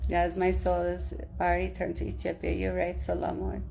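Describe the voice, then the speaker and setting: Woman's voice at a fairly quick pace, with audible room echo. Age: 30s. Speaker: reality TV personality. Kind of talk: casual chat. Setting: livestream.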